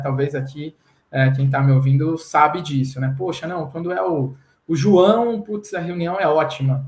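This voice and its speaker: Somewhat breathy, a man speaks at a moderate pace in a fairly high pitch with ordinary pitch variation. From São Paulo, Brazil. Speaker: corporate executive speaker. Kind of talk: conference talk.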